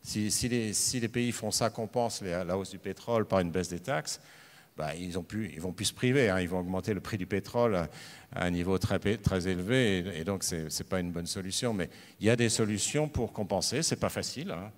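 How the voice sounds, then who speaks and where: A man's voice: low-pitched, brisk. A man speaking on a conference panel, hesitant and often restarting his sentences. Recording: reverberant conference hall.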